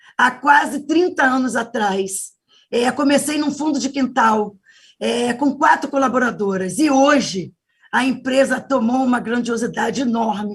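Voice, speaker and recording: A woman speaks at a fairly slow pace with a high pitch and ordinary pitch variation. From Rio de Janeiro, Brazil. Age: 60s. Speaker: entrepreneur, beauty business founder. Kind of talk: live interview. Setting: live stream.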